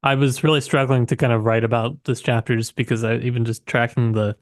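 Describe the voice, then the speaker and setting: A man's voice: mid-range voice, level tone, brisk, dry recording, clean studio sound. A man co-hosting a book podcast in casual conversation, tentative and searching for words as he works through his thoughts. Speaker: podcast co-host discussing a novel.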